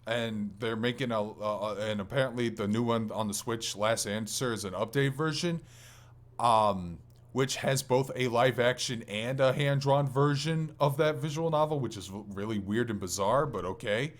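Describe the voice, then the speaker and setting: A man's voice: mid-range voice, moderate pace. Man chatting enthusiastically about games. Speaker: podcast co-host. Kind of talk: casual chat about video games.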